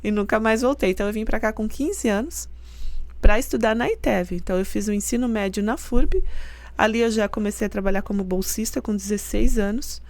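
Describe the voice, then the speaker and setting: On a dry recording, a medium-pitched woman talks fairly quickly in a casual interview. She is a middle-aged university rector from Santa Catarina, Brazil, answering earnestly with long explanations and soft laughter.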